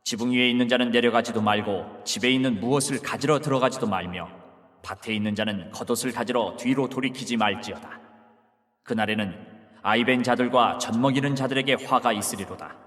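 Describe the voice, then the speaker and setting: A man playing Jesus as a calm teacher, giving measured, solemn lines in a dramatized Bible reading. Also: medium pitch, lightly acted. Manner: measured, solemn archaic delivery. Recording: long hall reverb.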